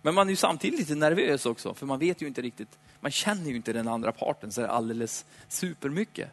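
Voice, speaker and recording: A man preaching a sermon in a chatty, playful way, slowing down for dramatic emphasis. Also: mid-range voice, animated. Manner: conversational, dramatic slowdowns, playful asides. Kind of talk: lively sermon. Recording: hall reverb.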